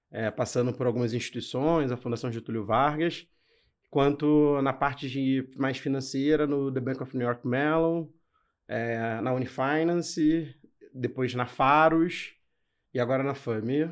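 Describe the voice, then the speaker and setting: Intonation stays fairly even while the speech unfolds at a fairly slow pace. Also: man, medium pitch for a man. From Rio de Janeiro, Brazil (suburbs). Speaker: finance executive. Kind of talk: interview.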